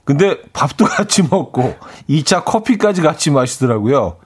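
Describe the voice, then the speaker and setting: A man hosting a casual radio chat, reading stories and trading playful quips with a relaxed, chuckling manner. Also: on the high side, moderate pace, slightly rough. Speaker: radio host.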